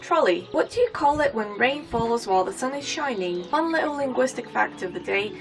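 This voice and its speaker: High-voiced woman with mixed British-American-Bulgarian accent. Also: animated, brisk, over music. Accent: blend of British, American and Bulgarian. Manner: playful, self-deprecating asides. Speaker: vlogger. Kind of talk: casual chatty vlog.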